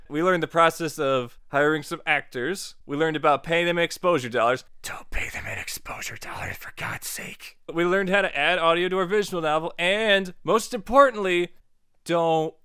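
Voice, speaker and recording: A man's voice: on the high side, sharp tone, clear, resonant tone, dry recording, studio quality. A man narrating a tutorial as its host in an informal, jokey, casual way.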